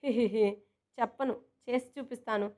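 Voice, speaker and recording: A woman's voice: sits high, steady tone, lightly acted. A woman voicing a cheeky young office girl. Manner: quick, cheeky, pouting. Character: playful, headstrong young woman office worker.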